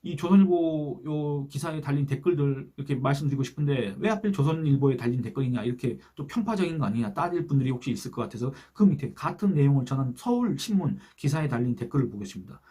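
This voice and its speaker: Male commentator, quick delivery, dark slightly husky tone, earnest rhetorical style. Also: mid-range voice, expressive. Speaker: political commentary YouTuber. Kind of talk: solo political commentary.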